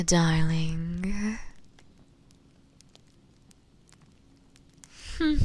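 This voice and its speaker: A woman's voice: medium pitch, fairly bright tone, dry recording. A woman voicing a sly, seductive witch captor in a roleplay audio drama, teasing and condescendingly sweet, often slipping into whispers. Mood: mildly scolding. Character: sly, seductive female witch captor, possessive and self-assured.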